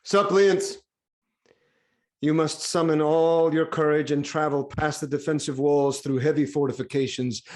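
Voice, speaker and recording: A man's voice: fairly high pitch, darkish tone, lightly acted. An actor playing a proud, commanding king in a Greek tragedy reading, speaking with stern, declamatory authority. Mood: resolute, protective. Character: proud, commanding king defending suppliants of his city. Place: online video-call reading.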